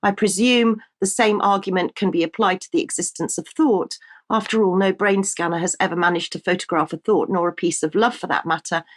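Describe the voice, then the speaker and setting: A woman presenting a current-affairs show in a conversational way, her voice a little croaky, with frequent ums and restarts. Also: lowish voice, fairly even intonation, a little fast. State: slightly croaky voice. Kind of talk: casual current-affairs commentary.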